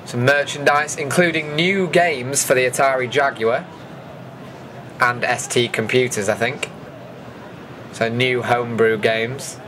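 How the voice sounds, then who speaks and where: A man's voice: mid-range voice, steady tone, unhurried, pauses often, background noise. A man giving a casual, dryly jokey voice-over commentary as the host of an event video.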